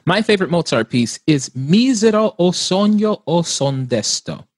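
A man's voice: high-pitched, big pitch swings, normal speed, no echo, clean studio sound. A man, an opera tenor, giving thoughtful, earnest interview answers.

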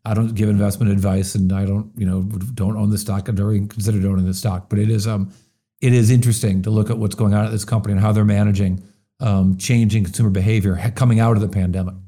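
A man's voice: on the low side, flat delivery, fast, dark tone. A man hosting a business talk show, talking in a chatty, opinionated way with plenty of fillers. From US Midwest. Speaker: show host.

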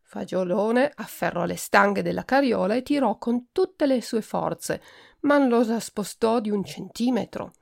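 A woman hosting a podcast reads a children's storybook aloud, steady and expressive. Her voice has a gravelly, creaky texture at a mid pitch. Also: a little slow. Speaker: podcast host reading a children's book.

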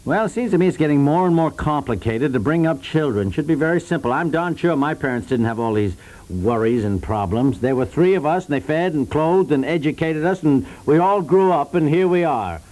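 A man's voice: a little high, animated, a little fast, darkish tone, natural voice, poor audio. A man playing a fretful, grumbling, defensive husband and father in a 1950s radio comedy, sputtering and repeating himself. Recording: vintage 1950s network radio recording.

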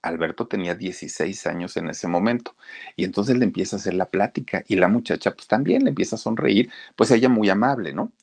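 A man with a Mexican accent telling a story to his listeners, animated and speaking to them directly. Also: lowish voice, fast, creaky, slightly rough. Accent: Mexican Spanish. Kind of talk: anecdotal storytelling to an audience.

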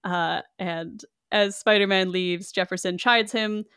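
A woman's voice: mid-range voice, fairly even intonation, measured pace, fairly bright tone, clear, resonant tone, no room sound, studio quality. A woman hosting a podcast, recapping a film's plot in casual chat, with frequent fillers and small laughs. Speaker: podcast host.

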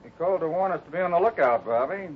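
A dependable, fatherly cowboy foreman, played by an actor in an old radio adventure. His voice is fairly high and varied in pitch, on a muffled recording. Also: lively intonation, rapid-fire, slight background noise, close to an everyday voice. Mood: steady. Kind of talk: 1950s radio drama acting.

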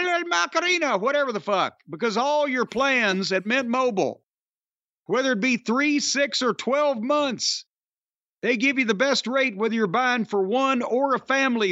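A man's voice: extremely high pitch, expressive, moderate pace, bright, forceful tone, no echo. An older man with a Southern American accent hosting a podcast, rambling, profane and sarcastic in casual chat and a comic ad read. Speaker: podcast host. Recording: dry, slightly dull audio.

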